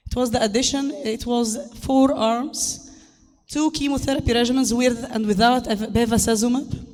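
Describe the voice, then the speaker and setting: A woman with a harsh, hoarse voice gives a formal medical lecture as a conference speaker, in a halting, hesitant delivery. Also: fairly high pitch, darkish tone. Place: large conference hall. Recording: echoey hall, long reverb.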